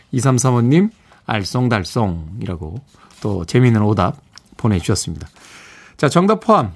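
Lively male morning radio host. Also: mid-range voice. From Seoul, South Korea. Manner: lively, playful, chuckles between messages. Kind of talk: morning radio show, reading listener texts. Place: radio studio.

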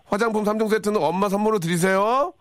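A middle-aged man hosting a radio quiz, teasing callers and his co-host with quick jokes. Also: high voice, dry recording, studio quality. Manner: joking, teasing, quick asides.

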